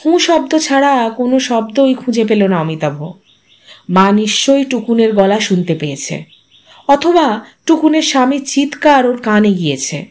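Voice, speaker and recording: A woman narrating a literary story in a measured, expressive storytelling manner. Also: a little high.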